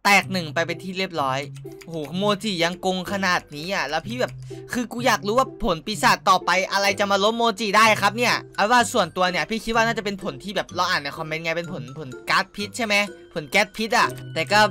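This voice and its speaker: A young man giving casual gameplay commentary, excitable and swearing freely while talking straight to his viewers. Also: high-pitched. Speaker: gaming YouTuber. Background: background game music.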